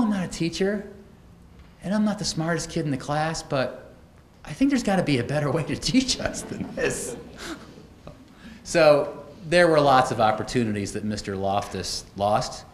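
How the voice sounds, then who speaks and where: A man's voice: on the high side, expressive, moderate pace. A middle-aged man giving a conference keynote at a podium, telling stories in a conversational way with wry asides. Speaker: keynote speaker. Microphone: podium microphones. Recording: echoey auditorium, faint noise.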